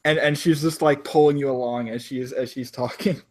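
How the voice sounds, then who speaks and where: A man's voice: mid-range voice, steady tone, a little fast, a little mellow. A man from South Florida with no accent, running a tabletop game as game master and talking casually with lots of fillers. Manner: chatty, full of "like" and restarts.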